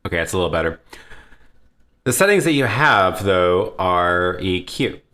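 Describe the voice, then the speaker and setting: A man with a notably low, deep voice hosts a live question-and-answer stream from his home studio. He talks in a relaxed, easygoing way, thinking aloud and often restarting his sentences. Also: normal speed. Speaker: livestream host answering viewer questions. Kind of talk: casual live Q&A. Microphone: headset or desk mic with headphones.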